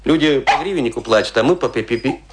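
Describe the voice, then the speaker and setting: An actor playing a boastful, aggrieved, tipsy provincial stage player, declaiming with grandiose self-pity and dramatic pauses in a radio play. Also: male voice, mid-range voice, expressive, noisy background, natural voice. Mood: tipsy, pleading. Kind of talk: theatrical radio play monologue.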